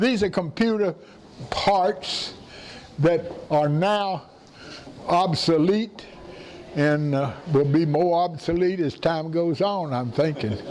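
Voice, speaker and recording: This man talks at a very slow pace with long, frequent pauses, and his pitch is high. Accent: Middle Tennessee. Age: 80s+. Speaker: museum tour guide. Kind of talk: guided tour. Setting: indoors in a museum with a small group. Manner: halting.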